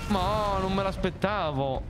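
A young man streaming a game live, reacting loudly and hurling playful insults at enemies. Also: high voice, unhurried. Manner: excitable, swears and yells insults at enemies. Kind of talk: live gameplay commentary. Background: game music.

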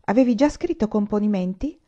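A kindly male schoolmaster, read by a woman narrator, measured and approving as he praises his pupil. The tone is mellow and dark, the recording dull and lo-fi. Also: medium pitch, lively intonation, natural voice.

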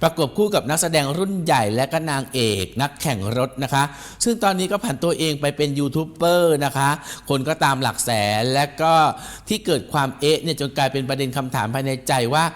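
Male entertainment-gossip host with a higher-than-usual voice, lively and repetitive delivery. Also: a little fast, few pauses. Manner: animated, repetitive, ends nearly every phrase with a polite particle. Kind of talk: chatty entertainment gossip talk.

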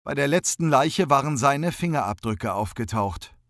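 Male audiobook narrator, steady reading. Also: medium pitch, moderate pace, vocal fry, dry recording, studio quality. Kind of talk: scripted narration.

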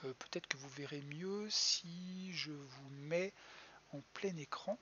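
A man's voice: on the high side, slow, sharp tone, highs cut off, a little hiss or hum. A man giving a live-streamed astronomy lesson as a planetarium educator, chatty and hesitant with many fillers and restarts. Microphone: home computer mic.

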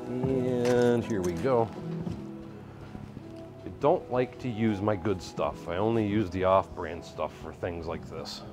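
A man's voice: lowish voice, slow, music in the background. A middle-aged man hosting a live building stream, chatting casually, reading viewer comments and laughing easily. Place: indoor workshop room.

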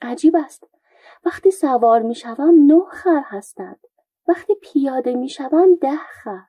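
A sly old joker of folk tales, mock-innocent and plaintive, with a dark, mellow, husky tone, as a woman storyteller puts him on. The sound is dry and close. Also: fairly high pitch, no echo, rough recording. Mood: wry.

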